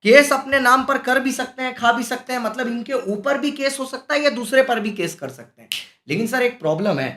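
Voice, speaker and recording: A man teaching a live-streamed exam-prep class, animated and scolding, full of rhetorical questions. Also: very high-pitched, brisk, hardly any pauses. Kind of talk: lively live-streamed lecture. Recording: echoey room.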